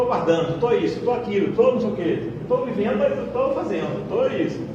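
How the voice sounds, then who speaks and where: A man talks at a moderate pace. Noticeable background noise and audible room echo accompany him. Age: 60s. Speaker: spiritist lecturer. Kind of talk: spiritist talk. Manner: conversational, colloquial.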